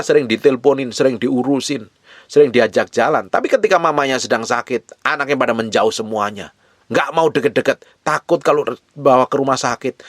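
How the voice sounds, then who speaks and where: A man's voice: on the low side, fairly bright tone, no echo. A male pastor preaching a sermon, urging his listeners with repeated, emphatic exhortations in a casual, conversational way.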